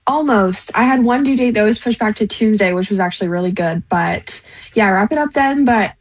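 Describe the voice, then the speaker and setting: A woman's voice: mid-range voice, a little fast. A young woman on a radio show, upbeat about her week and her studies.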